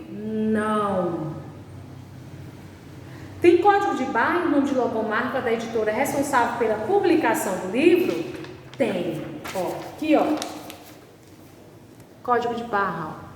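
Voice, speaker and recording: A woman teaching a language lesson, stretching out examples slowly and checking with "right?" after nearly every point. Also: fairly high pitch, a little mellow. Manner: slow, drawn-out spelling of examples, constant "certo?" checks. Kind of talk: recorded online class. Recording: distant echoey room recording, faint background noise.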